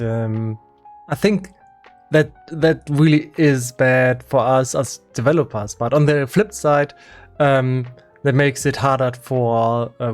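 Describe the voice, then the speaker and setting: Brief: German-accented male dev streamer, casual, halting delivery with restarts, faint music under. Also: mid-range voice. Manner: halting, many restarts and fillers, laughs often. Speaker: game developer streamer. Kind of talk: casual live-stream chat.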